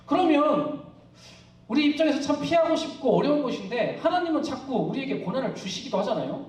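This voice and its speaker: A male pastor giving a live sermon to a youth congregation, chatty and quick to laugh, asking the room questions. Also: very high voice, sing-song, darkish tone. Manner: conversational, asks the congregation questions; laughs often while preaching. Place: church worship hall. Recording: echoey hall, distant mic.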